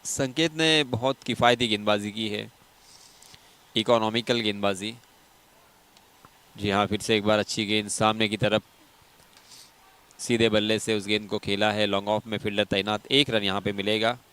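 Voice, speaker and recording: A man's voice: on the low side, steady tone, moderate pace, pauses often, a bit bright, smooth. A man with an Indian accent gives live ball-by-ball cricket commentary, explaining play and repeating key phrases for emphasis.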